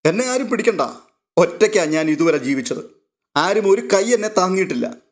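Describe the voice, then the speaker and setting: A man's voice: sits high, expressive, moderate pace, pitched above the performer's own voice. A man doing a drunk, boastful lonely father. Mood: drunk self-pitying. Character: drunk lonely middle-aged rich man, doting father.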